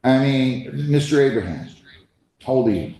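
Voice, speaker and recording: A man's voice: mid-range voice, expressive, moderate pace, warm tone. Male judge, plain-spoken and stern in questioning, roomy courtroom recording. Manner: blunt, scolding, plain-spoken. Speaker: judge presiding over a court hearing. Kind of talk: courtroom proceedings, questioning and admonishing. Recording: echoey courtroom recording with faint noise.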